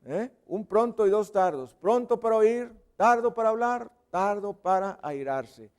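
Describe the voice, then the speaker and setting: High-voiced, unhurried Mexican preacher. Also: male voice, lively intonation, smooth. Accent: Mexican Spanish. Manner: playful, acts out sounds and voices with sudden loud and whispered bits. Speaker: pastor. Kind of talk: sermon. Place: church service.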